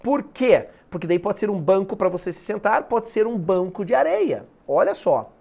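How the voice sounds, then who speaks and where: A man with a Brazilian Portuguese accent runs a video lesson on English for a public exam. He talks in a casual, animated way and keeps asking the listener rhetorical questions. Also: high voice, moderate pace, vocal fry. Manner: lively, colloquial, asks the listener rhetorical questions. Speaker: English teacher for exam prep.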